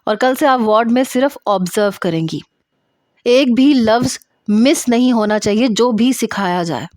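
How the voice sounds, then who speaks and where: A woman's voice: mid-range voice, no echo, clean studio sound, natural voice. Woman acting a stern, furious male doctor. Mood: cold, strict. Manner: harsh, emphatic, reprimanding.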